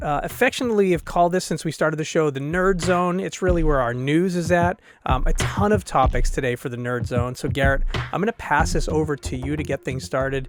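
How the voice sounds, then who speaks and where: Over music in the background, a man with an American accent talks at a fairly quick pace in a fairly high pitch, his intonation lively. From Boston, Massachusetts. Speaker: podcast co-host, cybersecurity executive. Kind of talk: casual chat. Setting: livestream.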